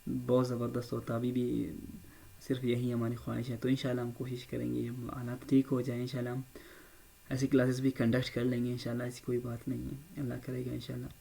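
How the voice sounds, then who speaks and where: Gravelly-voiced man teaching an online class. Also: mid-range voice, completely flat delivery, dark tone. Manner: explains slowly with many fillers and repeats. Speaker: English teacher. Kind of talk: online lecture.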